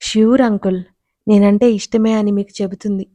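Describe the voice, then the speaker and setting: A courteous, self-assured young man speaks, voiced by a woman storyteller. The delivery is even and mellow, recorded close and dry. It comes from a spoken romance story. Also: medium pitch, moderate pace, no room sound, lightly acted. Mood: polite.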